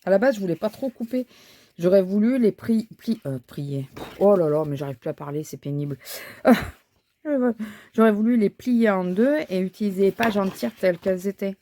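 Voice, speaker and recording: A woman crafting vlogger thinks aloud while she works, chatting casually with lots of fillers and restarts. Her medium-pitched voice is mellow and a little fast, with no room sound.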